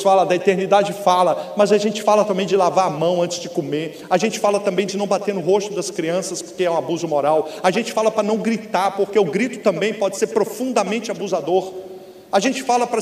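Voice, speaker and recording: A man with a Brazilian Portuguese accent, speaking as a guest preacher in a church, emphatic and repetitive, sometimes dropping to a hush. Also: high-pitched. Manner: animated, emphatic, repeats phrases, drops to a hush for effect. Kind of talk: preaching talk. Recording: echoey church hall with faint room noise.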